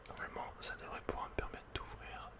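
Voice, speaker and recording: A man giving casual, slangy ASMR commentary on a video game, muttering with the odd mild swear word. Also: fairly quick. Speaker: ASMR gaming streamer.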